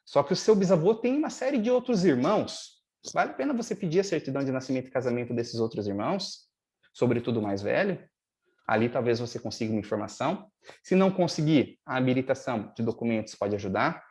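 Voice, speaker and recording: A man's voice: medium pitch, lively intonation, fast talker, a little mellow. Man explaining legal steps at length. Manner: didactic, long-winded, stressing key points. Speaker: lawyer and guest speaker. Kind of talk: explanatory talk in a live webinar.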